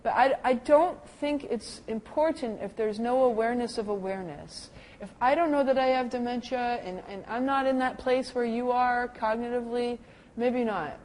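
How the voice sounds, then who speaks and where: A woman of middle age lectures caregivers on dementia care in a fairly high voice. She speaks lively and jumps up in pitch whenever she acts out the people in her stories. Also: normal speed, a little hiss or hum, poor audio.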